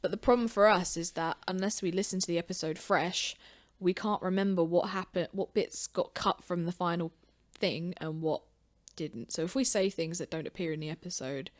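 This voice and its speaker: A woman's voice: lowish voice, steady tone, normal speed, hardly any pauses. A woman from the UK co-hosting a podcast, recapping a tabletop game in playful, teasing banter. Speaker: podcast co-host.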